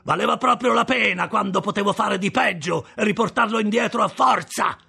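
Guy putting on a brash shouting convict, gravelly and high-pitched, gloating. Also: a little fast, full character voice. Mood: scornful. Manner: loud, shouting, triumphant. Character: boastful battered male escaped convict, scornful.

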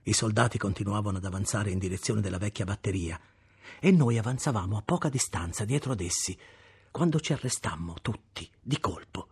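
A man reading a novel aloud with expressive, dramatic storytelling. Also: lowish voice, fairly quick, gravelly, breathy edge. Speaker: audiobook narrator. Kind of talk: scripted narration.

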